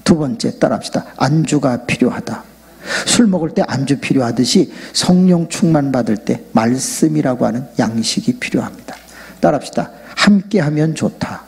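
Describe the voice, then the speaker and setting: A man preaching a lively revival sermon in a large church sanctuary, joking and leading the congregation in loud shouted prayers. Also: medium pitch, normal speed, gravelly, slightly rough. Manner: jokey, animated, leads the crowd in loud shouted prayer. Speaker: pastor. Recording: long reverb of a big church hall.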